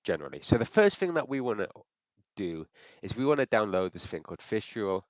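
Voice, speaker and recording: A man with a cold, sounding congested, talking through a software install step by step and thinking aloud as he clicks. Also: on the low side, sing-song, fairly quick, no echo. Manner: thinks aloud with frequent restarts. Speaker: software tutorial presenter. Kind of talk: screen-recorded how-to walkthrough.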